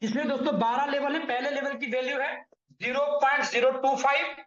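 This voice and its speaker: High-voiced man explaining a plan. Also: steady tone, brisk, a bit bright. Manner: repeatedly addresses listeners as friends, corrects himself on numbers. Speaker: presenter explaining an earning plan. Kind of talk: explanatory talk to viewers. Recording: echoey room, dull lo-fi sound.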